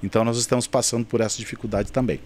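A man's voice: on the low side, steady tone, racing, darkish tone. A man in his fifties with a medium voice talks to a reporter in a warehouse storeroom. He speaks conversationally, lists items one by one and often adds a little "you know" to his points. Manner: conversational, listing items, tags with sabe. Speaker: municipal pharmacist. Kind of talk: news interview answer. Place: storeroom of a pharmaceutical depot, indoors. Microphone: handheld reporter mic.

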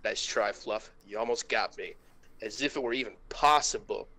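A man's voice: lowish voice, moderate pace, pushed and bright. A man voicing an emotional, easily wounded male cartoon fox in an amateur, hammy comic reading. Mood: drowsy, teasing. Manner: melodramatic, hammy.

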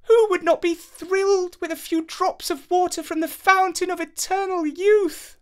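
A woman's voice: extremely high pitch, fairly even intonation, moderate pace, voice pushed up. A woman voicing a gracious, effusive young fairytale princess with a genteel, exclaiming manner. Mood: delighted, admiring.

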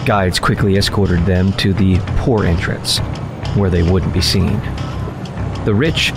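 A man playing a polite, wry young worker, narrating an audio drama in a measured first-person storytelling manner. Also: deep voice, steady tone. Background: music under the voice.

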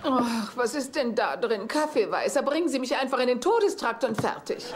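Sitcom dub: actress as a sarcastic, haughty older widow, swooping intonation over loud background noise. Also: female voice, fairly high pitch, lively intonation, normal speed, close to an everyday voice. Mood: imperious, annoyed. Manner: imperious, dry sarcasm. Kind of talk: German-dubbed sitcom acting.

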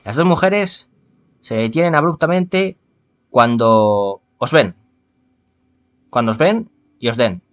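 Animated man from reading a game. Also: mid-range voice, slow pace, long pauses, highs cut off. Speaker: gaming streamer. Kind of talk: reading a visual novel aloud with casual commentary.

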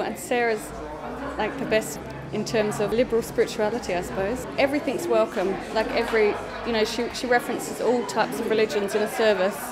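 A woman in her thirties talking chattily and enthusiastically about her church community. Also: medium pitch. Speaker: churchgoer, mother. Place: church hall.

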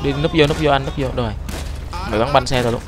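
Một người đàn ông Việt Nam bình luận khi chơi game, nói bông đùa, hay lặp từ liên tục khi phấn khích. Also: male voice, mid-range voice, music in the background. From Vietnam. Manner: excitable, repeats words rapidly, joking. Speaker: gaming YouTuber. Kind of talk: casual gameplay commentary.

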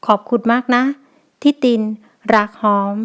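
A woman reading the lines of a young mother in an audio novel, soft and earnest. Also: unhurried, close to an everyday voice. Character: young mother, wary but kind-hearted.

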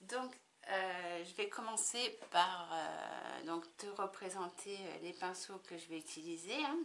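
A woman's voice: fairly low pitch, animated, a little slow, fairly bright tone, slight background noise. A woman chatting casually to the camera in a makeup tutorial, rambling with lots of fillers and restarts. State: tickly throat. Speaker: makeup vlogger.

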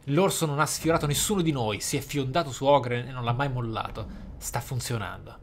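A man gives roleplay-style commentary on a video game. His voice is medium in pitch, his wording wry and slightly formal. Game sound is clearly present behind him. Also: fairly quick, a little hiss or hum. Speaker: gaming video host.

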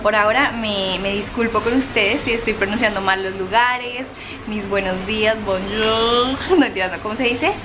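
A woman's voice: mid-range voice, moderate pace, noisy background. A woman with a Colombian accent, chatting upbeat to camera in a travel vlog and laughing often. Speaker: vlogger.

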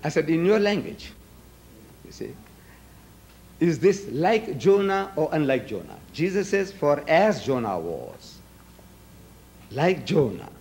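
A man's voice: a little high, very animated, slow pace, pauses often, darkish tone. An older man whose first language is Gujarati, arguing emphatically at a podium in a large hall, firing rhetorical questions at the audience. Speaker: debater. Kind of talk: public debate speech. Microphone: podium microphones.

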